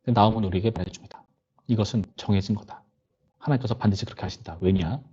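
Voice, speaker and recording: A man's voice: fairly low pitch, racing, dark tone, breathy edge. Muffled lo-fi man preaching a youth sermon. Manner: conversational, voices students' complaints and questions. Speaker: youth pastor. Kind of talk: sermon to teenagers over video call.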